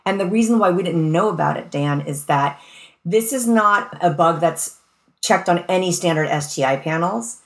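A woman's voice: lowish voice, moderate pace. An American woman speaking as a medical expert guest, explaining things in an informal, plain-spoken, conversational way.

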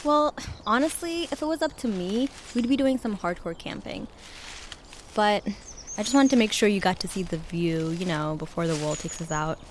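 Woman acting chill playful hiker girl, audio drama, mid-range voice, clear birdsong and outdoor noise behind her. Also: mid-range voice, lively intonation, normal speed, natural voice. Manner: casual, playful. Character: Naki, keen, easygoing woman hiker, playful and reassuring. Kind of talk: naturalistic audio drama dialogue.

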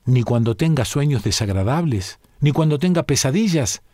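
A man voicing a dignified white-haired old gentleman in a read-aloud story, speaking solemnly and a little reproachfully. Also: medium pitch, expressive, normal speed, no room sound, clean studio sound, lightly acted. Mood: explaining.

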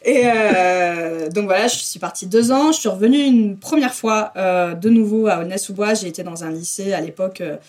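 A woman's voice: medium pitch, moderate pace, few pauses, darkish tone. A woman in her twenties from the Paris region, talking casually as a podcast guest with many fillers. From France, Paris region. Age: 20s. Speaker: guest, school education worker. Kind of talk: casual interview.

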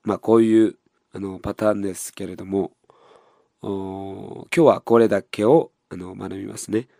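A man teaching a language lesson, explaining patiently and slowly repeating each example word. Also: low-pitched, steady tone, creaky, dark tone, no room sound, clean studio sound.

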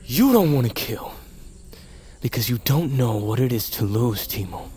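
An actor playing a fierce, hot-blooded young tribal warrior, intense and bitter, in an audio fiction drama. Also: male voice, medium pitch, animated, normal speed, warm tone, lightly acted. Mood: grieving, bitter.

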